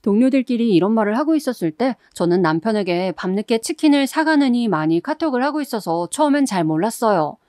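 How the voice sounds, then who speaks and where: A woman's voice: a little high, lively intonation, brisk, hardly any pauses, a little mellow, dry recording. Woman narrating a story, dry close voice. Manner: confiding, storytelling delivery. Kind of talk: scripted first-person story narration.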